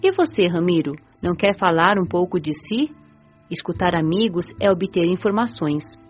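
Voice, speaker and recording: A young woman playing a curious, gentle young woman spirit who narrates her own radio drama. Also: on the low side, animated, moderate pace, lo-fi sound, soft background music, close to an everyday voice. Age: young adult. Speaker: first-person narrator.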